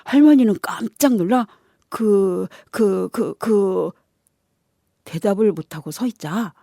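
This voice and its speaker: A woman radio host reading a children's storybook aloud in an expressive, dramatised way, moving easily between narration and presenting. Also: medium pitch, takes it slowly, gravelly, dry recording, clean studio sound.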